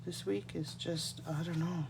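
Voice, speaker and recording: In a relaxed live tutorial, a Canadian woman with a cold coming on talks to viewers while crafting cards, her hands the only thing seen by the overhead desk camera. Her congested voice is lowish, gravelly and unhurried with fairly even intonation, and there's background noise.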